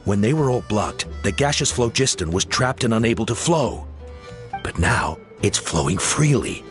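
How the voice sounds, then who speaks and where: An earnest tribal elder in a fantasy game. His lowish voice moves expressively as he speaks with deliberate weight, faint music behind him. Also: big pitch swings. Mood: pondering. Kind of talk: video game character dialogue.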